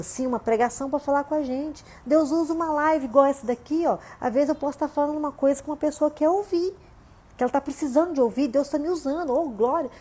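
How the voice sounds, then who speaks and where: This Brazilian woman pastor has a high-pitched, warm voice and a Brazilian Portuguese accent. She preaches a conversational sermon livestreamed from home, frequently asking "né?" and saying "gente."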